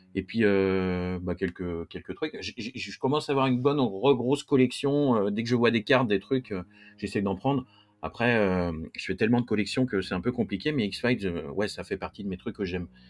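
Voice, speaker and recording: Against a quiet background, a man with an unremarkable speaking voice talks at a moderate pace, fairly low in pitch, with ordinary pitch variation. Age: 30s. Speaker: YouTuber and fan guest. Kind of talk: casual interview.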